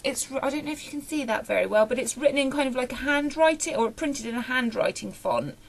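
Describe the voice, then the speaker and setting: A young woman with a British accent and a fairly high voice talks through a book review off the cuff. She is chatty, often pausing to find a word or correcting herself as she thinks aloud. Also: creaky. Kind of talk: casual, unscripted video book review.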